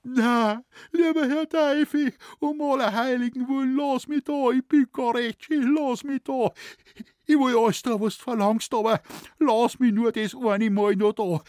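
A man's voice: very high voice, steady tone, unhurried, darkish tone, no room sound, studio quality, pitched above the performer's own voice. A man voicing a frightened village cobbler with a Bavarian accent, who sobs and begs for mercy. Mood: desperate pleading. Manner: sobbing, begging, whiny.

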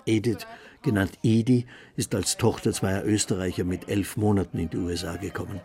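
Male reporter, scripted narration, low gravelly voice, folk music underneath. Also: fairly even intonation, brisk, warm tone.

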